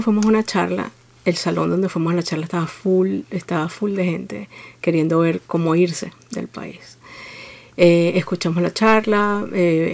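Gravelly-voiced Venezuelan woman guest. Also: fairly low pitch. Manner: reflective, steady, frequent "eh" fillers. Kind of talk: interview storytelling.

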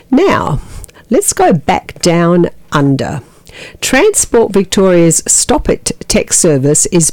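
A woman's voice: on the low side, a little mellow, no echo. A middle-aged woman hosting a community radio breakfast show, chatty and hesitant, with many fillers and restarts. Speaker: radio host. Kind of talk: community radio breakfast chat and news reading. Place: radio studio.

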